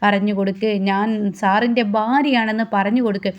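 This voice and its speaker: A woman's voice: medium pitch, fairly even intonation, brisk, muffled recording, lightly acted. Woman playing Nandini, a defiant tipsy wife. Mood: defiant scolding. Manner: loud, scolding questions.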